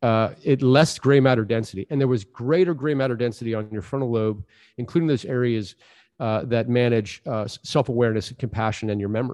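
With a plain, everyday voice, a man talks at a fairly quick pace and medium pitch. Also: ordinary pitch variation. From raised in Japan and Taiwan, then US. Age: 40s. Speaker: Episcopal priest and director of a contemplative center. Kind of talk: interview conversation.

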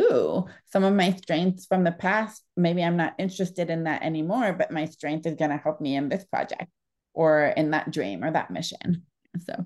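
A woman speaks in a normal speaking voice at a fairly low pitch, with ordinary pitch variation. Her pace is moderate and the background is quiet. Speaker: pediatric audiologist. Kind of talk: casual interview chat.

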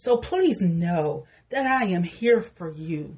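Somewhat breathy, a woman talks very slowly. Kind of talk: solo podcast monologue answering listener questions. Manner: calm.

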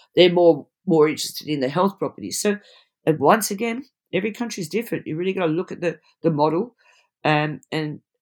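A woman with an Australian accent speaks at a fairly quick pace. Her fairly low voice carries lively intonation. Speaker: founder of a baby swimming school business. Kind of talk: interview.

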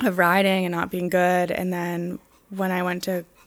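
Speaking in a fairly low voice, a woman talks with an American accent. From Pittsburgh, Pennsylvania. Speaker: life coach. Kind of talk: casual chat. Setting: in-person studio recording.

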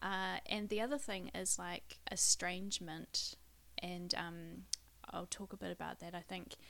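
With a New Zealand accent and a bright, sharp tone, the speaker goes at a fairly slow pace with vocal fry and ordinary pitch variation. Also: woman, medium pitch for a woman. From New Zealand, Waikato. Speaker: writer. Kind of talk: casual chat. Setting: in person, at a table. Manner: halting.

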